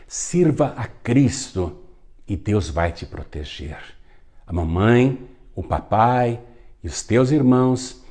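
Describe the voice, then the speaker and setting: A man voicing a fervent Christian mother who speaks softly and slowly with tender pleading. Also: lowish voice. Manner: soft, slow, tender pleading.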